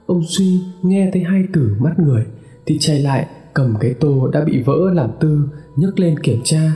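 Male horror storyteller, mellow dark tone, echoey room with long reverb and faint music. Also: a little high. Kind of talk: scripted horror narration.

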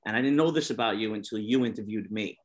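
A man's voice: on the low side, fast talker. A man hosting an interview, speaking earnestly and admiringly to his guest. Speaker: podcast host.

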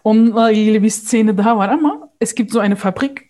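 Mellow woman chatting casually. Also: fairly high pitch, fast talker. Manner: switches between Turkish and German mid-sentence. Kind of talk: casual chat, explaining a film.

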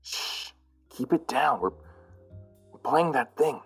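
Noir audio drama: placating, apologetic sidekick, mid-range voice with big swings, anxious and earnest. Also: male voice, medium pitch, lively intonation, slow, vocal fry, slightly rough, faint music behind, heavily acted. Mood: hushed urgency. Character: anxious, apologetic peacemaker, detective's male friend.

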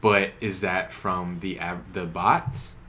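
A man's voice: low-pitched, fairly even intonation, takes it slowly, pushed and bright, slight background noise. A man co-hosting a casual podcast, teasing his partner and fretting over the listener numbers. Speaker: podcast co-host.

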